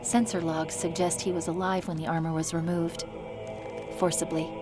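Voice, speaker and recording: A woman's voice: on the low side, flat delivery, normal speed, over music, natural voice. A woman playing a confident, quippy young AI companion who briefs a soldier in a video game. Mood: focused, concerned. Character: young female AI companion, bright, wry, confident.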